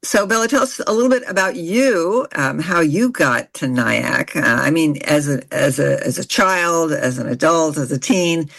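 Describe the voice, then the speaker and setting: Gravelly-voiced woman interview host. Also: sits low, moderate pace, few pauses, fairly bright tone. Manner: conversational, rambling questions. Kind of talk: interview conversation.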